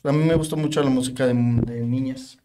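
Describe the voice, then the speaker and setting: A man's voice: mid-range voice, fairly even intonation, a little fast, warm tone. A young man with a Mexican accent, co-hosting a casual podcast, slangy and swearing freely. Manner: slangy, swears freely, reads listener donations. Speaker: podcast co-host. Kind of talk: casual chat.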